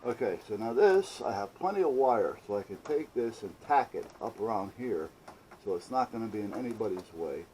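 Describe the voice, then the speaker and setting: A man's voice: fairly low pitch, expressive, a little fast, a little mellow, slight background noise, rough recording. A man chatting casually through a hands-on workshop project, rambling and muttering to himself with playful asides. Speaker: hobbyist maker hosting own workshop videos.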